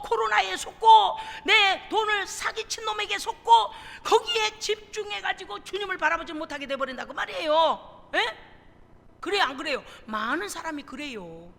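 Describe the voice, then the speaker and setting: High, gravelly woman pastor preaching. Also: fairly bright tone. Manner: emphatic, asks congregation for responses. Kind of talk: sermon. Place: church sanctuary. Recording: long reverb of a church hall.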